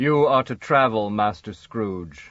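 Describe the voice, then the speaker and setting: Using a put-on character voice, a man speaks at a medium pitch and fairly slow pace with ordinary pitch variation. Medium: audio drama. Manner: curt, commanding.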